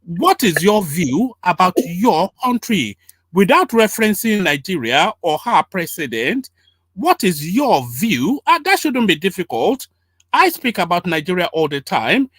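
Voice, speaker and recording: Host, man, high lively voice, relentless questioning, dry close mic. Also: measured pace, breathy edge, no room sound. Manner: pressing, repetitive, talks over the guest. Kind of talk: heated live panel debate.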